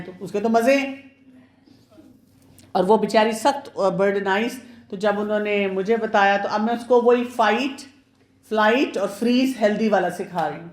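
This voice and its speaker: A woman's voice: medium pitch, a little mellow. A woman pediatrician giving a chatty, advising marriage awareness talk to women, mixing in English words. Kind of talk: informal lecture to women. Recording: roomy echo.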